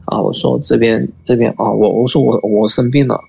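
A man calling in to tell a personal ghost story, talking in a halting, earnest way and often repeating words. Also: medium pitch, steady tone, vocal fry, low-quality recording. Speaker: caller.

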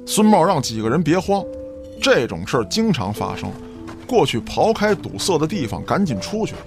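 A man's voice: fairly high pitch, big pitch swings, normal speed, creaky. A man narrating a scripted audio drama as a storyteller, in a dramatic reading style. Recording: background music under the voice.

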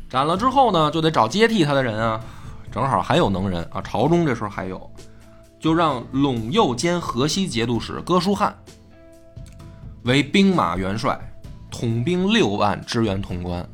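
A male storyteller recounts history in a chatty, colloquial manner, slipping into characters. His voice swings widely in pitch. Faint music plays under the narration. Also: big pitch swings, normal speed, fairly bright tone.

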